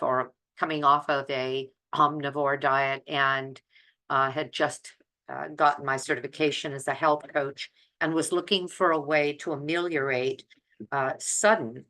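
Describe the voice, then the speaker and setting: An older woman talking informally as a health coach and video host, in a halting, deliberate way with pauses mid-phrase. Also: deep voice, steady tone, sharp tone. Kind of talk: informal talk to camera.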